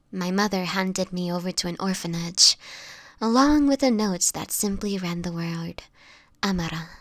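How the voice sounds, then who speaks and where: For an intimate audio roleplay drama, an actress plays a sickly homeless vampire woman in a soft, fairly low voice that crackles with fry and often drops to a whisper. She speaks haltingly in courteous, old-fashioned phrases, gentle yet guarded, sad, wistful, and tender. The recording is close-miked and dry, with no room sound.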